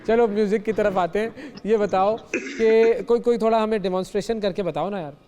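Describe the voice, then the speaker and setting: High-voiced man hosting a morning show. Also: brisk, warm tone, big-room sound, muffled recording. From Pakistan. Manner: encouraging, gives advice in folksy sayings. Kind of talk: casual TV morning show chat.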